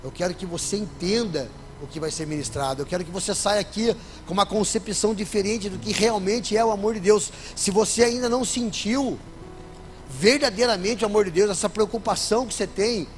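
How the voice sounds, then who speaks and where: A man's voice: high voice, fairly quick, a little hiss or hum. A man with a Brazilian Portuguese accent preaching a sermon to his congregation in church, often asking them for an amen. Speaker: pastor. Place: church service.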